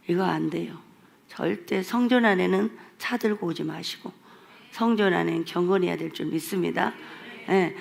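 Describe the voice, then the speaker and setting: A woman pastor with a Jeolla accent preaches in a church sanctuary, pressing her points in an emphatic, repetitive, scolding way. Her voice has a gravelly, creaky edge and sits at an ordinary mid pitch. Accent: Jeolla Korean. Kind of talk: revival sermon.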